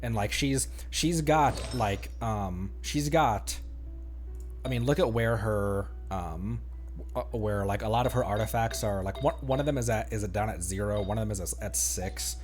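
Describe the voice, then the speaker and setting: A man streaming a game, chatting casually in a rambling, halting way that often interrupts itself. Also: fairly low pitch. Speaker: game livestreamer. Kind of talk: casual gaming chat. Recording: music playing behind the voice.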